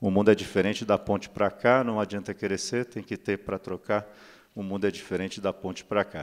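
A man speaks at a fairly quick pace in a fairly low voice. His intonation is flat and monotone against a quiet background. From São Paulo, Brazil. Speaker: cultural manager and columnist; speaker, cultural educator. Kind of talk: panel talk. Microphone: handheld.

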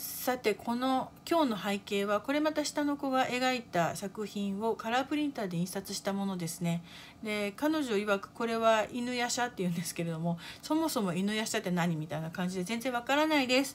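A woman talks at a fairly quick pace in a plain, everyday voice. Her pitch is fairly high, and her intonation is lively. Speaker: vlogger, university admissions worker. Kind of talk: casual video monologue.

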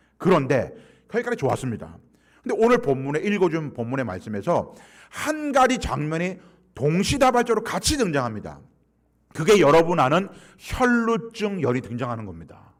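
With very wide pitch swings, a man talks at a moderate pace in a high voice. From Gyeongsang region, Yangsan. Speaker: guest pastor. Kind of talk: sermon. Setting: church.

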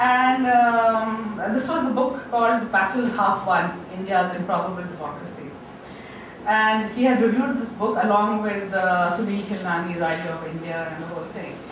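A woman is speaking. The room echo is audible and background noise is noticeable. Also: ordinary pitch variation, moderate pace. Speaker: event organizer. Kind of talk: formal introduction. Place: hall.

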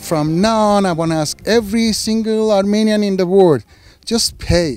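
Faint music plays in the background while a man speaks with ordinary pitch variation in a dry sound with no echo. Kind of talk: interview answer. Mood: emotional, urgent appeal. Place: open country. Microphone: handheld.

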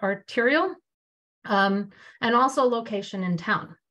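In a quiet background, a woman uses a normal speaking voice at a medium pitch with ordinary pitch variation. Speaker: town councilor. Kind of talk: council meeting deliberation. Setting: video call. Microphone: video call.

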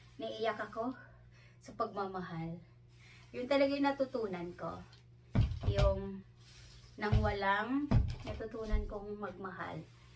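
A woman speaks at a medium pitch and a fairly slow pace with ordinary pitch variation, her loudness swinging widely, with long, frequent pauses and noticeable background noise. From Western Visayas, Philippines (Ilonggo). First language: Hiligaynon (Ilonggo) (speaking Tagalog). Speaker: vlogger and fast-food crew worker. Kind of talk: casual vlog. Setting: at home indoors.

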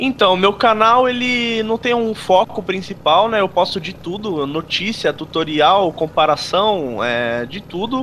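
A man with a high pitch and lively intonation talks at a fairly slow pace over light background noise. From Brazil. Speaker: gaming youtuber. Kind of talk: casual chat. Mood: relaxed, friendly. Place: home room. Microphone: headset.

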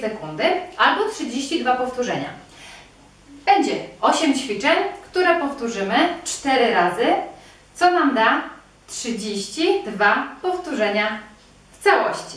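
With audible room echo, a woman with a high-pitched voice talks at a very slow pace, leaving long, frequent pauses. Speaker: home fitness instructor. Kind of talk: workout instruction. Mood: cheerful, upbeat. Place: home room. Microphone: camera far.

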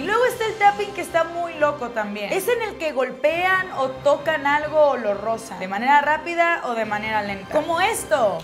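With faint music behind her, a woman talks at a high pitch with hardly any pauses. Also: moderate pace. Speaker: youtuber. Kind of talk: casual vlog commentary. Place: home room.

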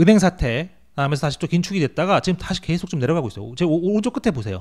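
A man talks at a high pitch against a quiet background. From South Korea. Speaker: newspaper correspondent and market commentator; financial news correspondent. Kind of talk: market analysis talk to camera. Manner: conversational, with frequent fillers. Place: studio. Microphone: studio mic.

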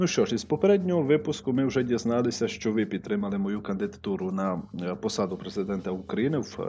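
A man with a fairly low voice speaks at a very fast pace with lively intonation and hardly any pauses. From Zakarpattia, Ukraine. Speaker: gaming YouTuber. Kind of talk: game commentary.

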